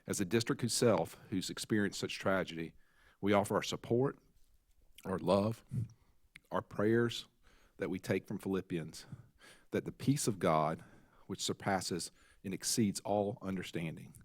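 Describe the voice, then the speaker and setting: Deep-voiced man with a solemn, measured delivery. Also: no echo, studio quality. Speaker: board member leading prayer. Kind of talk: formal prayer and motions.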